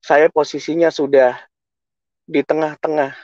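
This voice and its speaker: A man's voice: on the high side, little pitch movement, unhurried, darkish tone, dry recording, highs cut off. A man giving an emotional personal testimony to a congregation, telling his story earnestly and acting out what he said. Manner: earnest, emotional storytelling with many self-quotes.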